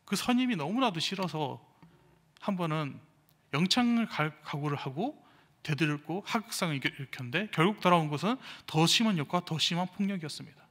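A young man, an evangelist, giving a sermon with a personal testimony, telling his story with animated delivery and acting out the speech of others, recorded in a church sanctuary. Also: fairly high pitch, a little fast. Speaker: evangelist preaching. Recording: reverberant church hall.

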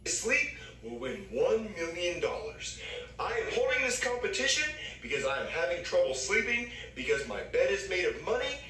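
A man's voice: high voice, very animated, moderate pace, pushed and bright, echoey room, distant mic, slight background noise, heavily acted, poor audio. A man voicing a pompous rich man who makes announcements.

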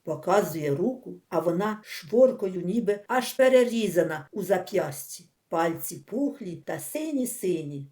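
A woman reads a humorous story aloud for an audiobook. Her voice is dark and mellow. Her pitch swings widely as she tells the story with plenty of expression. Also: lively intonation, a little slow, hardly any pauses. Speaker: audiobook reader.

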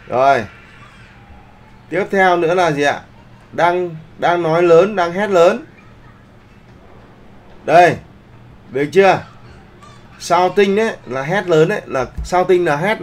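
A man teaching a live online class, often checking that the students follow along. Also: fairly high pitch. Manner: keeps checking in with the class, polite particles. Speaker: online art instructor.

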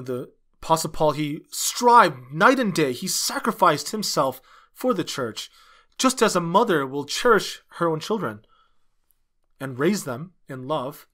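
Higher-voiced man interpreting a sermon. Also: sharp tone. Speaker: interpreter dubbing a pastor's sermon.

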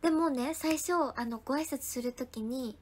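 A young idol livestreamer with a bright, high voice chats casually at a moderate pace while reading viewer comments, with a slight hiss or hum in the background. She thanks viewers by name and often slips into soft, whispered asides.

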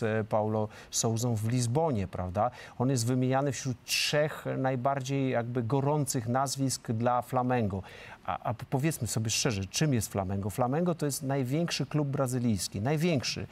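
A middle-aged man speaks as a football pundit in a large TV studio. His talk is fluent and emphatic, with frequent hesitation fillers, picked up by a lapel mic at a mid-range pitch. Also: a little mellow. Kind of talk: studio discussion.

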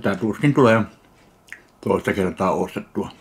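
A man from Finland tasting and reviewing a ready meal in slow, dry, deadpan remarks. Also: lowish voice. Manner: slow, dry, deadpan commentary between bites. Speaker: food reviewer. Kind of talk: casual food tasting review.

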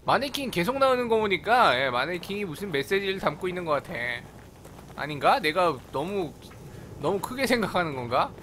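A man's voice: high voice, very animated, fairly quick, fairly bright tone, a little hiss or hum. A man giving casual live commentary on a video game, playful and exclamatory, talking back at the characters. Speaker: gaming video host. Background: video game sound.

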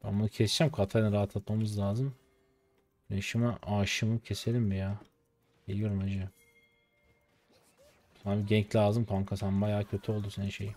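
A man's voice: lowish voice, normal speed, pauses often, faint music behind. A man in his late twenties from Turkey, a streamer giving slangy, casual commentary over his own gameplay. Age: late 20s. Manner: slangy, excitable, shouts when the game turns.

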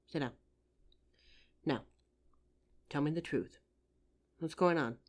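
A woman playing a caring, worried best friend in an audio roleplay, speaking in an earnest, soothing, gently insistent way. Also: sits low. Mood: gentle, concerned. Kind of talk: roleplay audio drama monologue, intimate comforting.

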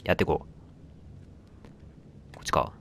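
At a measured pace and with a fairly bright tone, a man narrates a let's play in a chatty, casual way. He addresses the game and its characters directly, answers back to them, and says sorry for noise.

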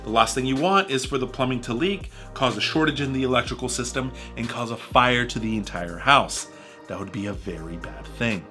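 A man's voice: medium pitch, fairly quick, soft background music. A man in his thirties, a home renovation vlogger, giving jokey scripted advice to camera from a small home studio. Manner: animated, jokey, gestures widely with his hands.

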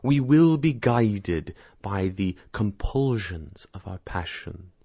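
Measured, mellow-voiced male priest. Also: lowish voice, animated, no echo. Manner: measured, deliberate, earnest. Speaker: priest giving commentary. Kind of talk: spoken homily commentary, reading patristic text.

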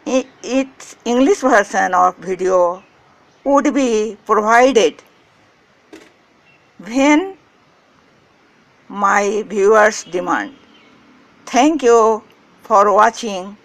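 Slow, clipped woman giving garden instructions. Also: medium pitch. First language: Hindi. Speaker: gardening channel host. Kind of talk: step-by-step how-to narration.

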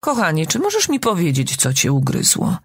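A woman reading an audiobook, voicing a self-important middle-aged writer who is a mother, with a husky voice and a lofty, theatrical manner. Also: fairly low pitch, huge pitch swings, normal speed, dry recording, studio quality, heavily acted. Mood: soothing. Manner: lofty and theatrical, then soothing. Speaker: audiobook reader.

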